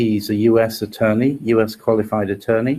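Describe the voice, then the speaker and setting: Very slow, fairly low-pitched male speech in a British accent, dark and mellow in tone. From northern England, Leeds, Yorkshire. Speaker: lawyer. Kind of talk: live Q&A stream. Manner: hesitant, with frequent fillers.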